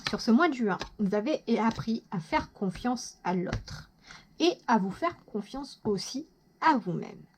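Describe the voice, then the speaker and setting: A woman giving a casual monthly tarot horoscope reading, chatty, excitable and quick to poke fun at herself. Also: fairly high pitch, background noise. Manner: chatty, self-mocking, excitable. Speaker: tarot reader.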